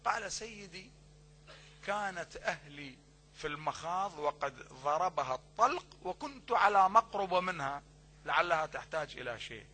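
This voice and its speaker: A man preaching a sermon with emphatic bursts that drop to low asides, addressing listeners fondly and acting out quoted dialogue. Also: expressive, normal speed, bright, forceful tone, slightly rough.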